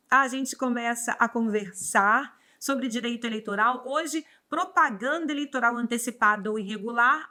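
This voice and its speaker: A woman's voice: high-pitched, sharp tone. A Brazilian woman teaching a live online law class. She greets viewers by name and then explains steadily. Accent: Brazilian Portuguese.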